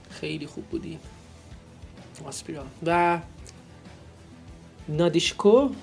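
A man's voice: on the high side, creaky. A man co-hosting a podcast, announcing poll results in casual chat, joking and asking playful questions. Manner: joking, laughs often, asks rhetorical questions. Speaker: podcast co-host.

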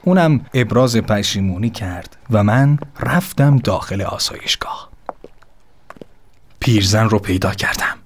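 A man narrating a comic story in a hushed, half-whispered, intimate way. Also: on the low side, expressive, a little hiss or hum. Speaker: sketch performer.

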